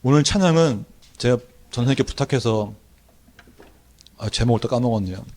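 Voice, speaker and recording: A male pastor preaching a sermon, telling stories vividly and building up to loud, fervent declarations. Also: medium pitch, brisk. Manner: animated storytelling, rising to loud proclamations.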